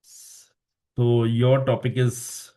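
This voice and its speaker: Man, club session host, halting, keeps rephrasing, searching for words, video call. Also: medium pitch, completely flat delivery, mellow. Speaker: table topics master. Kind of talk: hosting a club speaking session.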